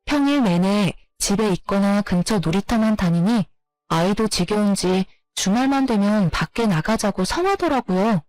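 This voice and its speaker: A woman narrating a true-life story in a steady retelling, growing heated in the quoted arguments. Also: mid-range voice, normal speed, no room sound, soft background music, poor audio.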